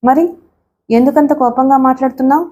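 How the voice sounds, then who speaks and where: A woman's voice: high voice, fairly even intonation, fairly quick, dark tone. A woman voicing an eager young man who asks insistent, anxious questions in an audiobook.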